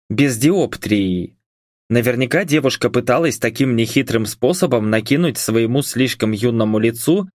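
A male narrator reading a first-person audiobook in a calm, even way. His voice sits in a middle range. The recording is dry, with no room sound. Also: medium pitch, no room sound.

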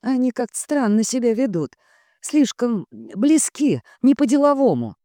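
A woman voicing an anxious, devoted middle-aged housekeeper with a high, fretting, lamenting way of talking. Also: big pitch swings, unhurried, warm tone, no echo, clean studio sound. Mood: confiding.

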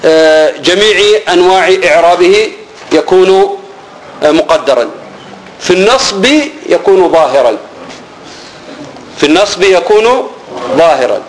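A man with a high voice explains grammar step by step, posing a question and then answering it himself. He repeats the key words and lets each answer drop low and soft. A faint background noise runs under the recording. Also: low-quality recording. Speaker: grammar teacher. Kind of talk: explaining Arabic grammar lesson.

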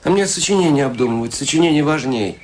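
An actor playing a stubborn, pompous young student in a radio play, petulant and sulky, in clipped phrases. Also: male voice, fairly high pitch, expressive, quick pace, slight background noise, lightly acted, rough recording. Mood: aloof, pompous. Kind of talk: Russian radio play acting.

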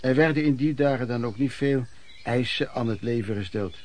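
A man acts out an older former vagrant and street hawker in a radio drama. He tells of his life in a folksy, wordy way with quaint old turns of phrase, at a middling pitch. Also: normal speed, a little mellow, natural voice. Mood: nostalgic. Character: plain-spoken former male street vendor and vagrant reminiscing. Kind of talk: radio play monologue in interview form.

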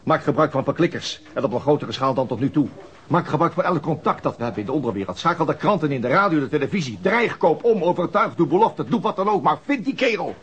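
An actor playing a demanding, impatient police investigator in a radio crime drama, terse and needling. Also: male voice, a little high, expressive, quick pace, husky. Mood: forceful, urgent. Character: demanding, impatient male police investigator pressing his colleague.

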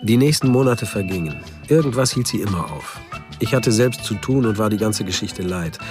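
A man acting a loyal, slightly fed-up friend who tells the tale in a radio play. His voice is fairly low and matter-of-fact, over clearly audible music. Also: lively intonation, moderate pace, close to an everyday voice. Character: supportive, fed-up male friend recounting the story. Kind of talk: radio drama narration.

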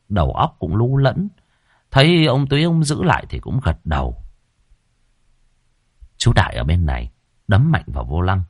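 A man, narrating a folksy ghost story in a lively, colloquial way. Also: deep voice, slightly rough, no room sound, clean studio sound.

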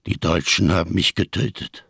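An actor playing a scarred, tattered Jewish giant, a world-weary survivor who speaks solemnly and with bitter irony in a German radio crime drama. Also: male voice, deep voice, steady tone, moderate pace, creaky, fairly bright tone, husky, no room sound, clean studio sound, heavily acted. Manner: solemn, declamatory, bitterly ironic speech.

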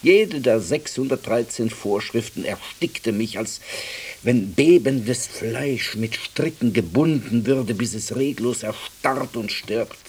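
An actor in a radio play voicing a devout, impassioned Jewish man who speaks haltingly, at times dropping to a whisper. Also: mid-range voice, darkish tone, breathy edge. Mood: fervent, anguished.

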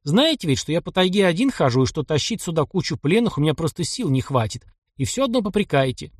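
A man reading the lines of a cocky, sharp-tongued young male taiga hunter in an audiobook. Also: a little high, sing-song, fast, slightly rough, dry recording, clean studio sound, voice pushed up. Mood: indignant. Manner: cocky, sarcastic retorts.

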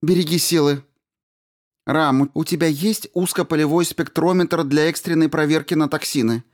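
A man voicing a brisk female mission doctor who gives urgent orders. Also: on the high side, fairly even intonation, pitched above the performer's own voice, natural voice.

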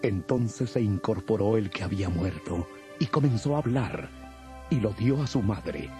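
A man narrates a dramatized Bible in a solemn storytelling manner. His voice is fairly low, dark and very husky, with soft music behind it. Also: normal speed.

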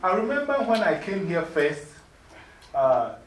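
Woman, Ghanaian accent, lively classroom lecture, faint room noise behind. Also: lowish voice, unhurried. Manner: lively, preachy, laughs easily, repeats "you see". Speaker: mentor speaking to youth. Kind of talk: informal classroom talk. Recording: echoey room from far off.

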